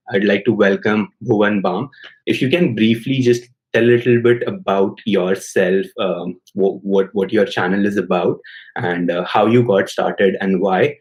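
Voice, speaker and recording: A young man hosts an interview in an upbeat, eager way, now and then mixing in Hindi. His voice sits fairly low for a man. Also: rough recording. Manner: upbeat, switches between English and Hindi. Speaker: host, YouTube program manager. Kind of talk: interview hosting, casual and enthusiastic.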